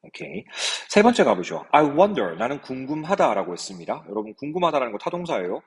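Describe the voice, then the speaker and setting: Husky lively-voiced male English teacher. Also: medium pitch, a little fast, long reverb tail. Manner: explanatory, rhetorical questions to students. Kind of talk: recorded lecture.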